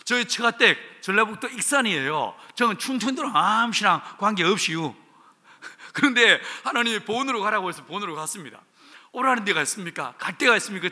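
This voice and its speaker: A male pastor with a Gyeongsang accent preaching a revival sermon, telling stories with animated humor. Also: sits high. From Jinju, South Korea. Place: church sanctuary. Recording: reverberant church hall.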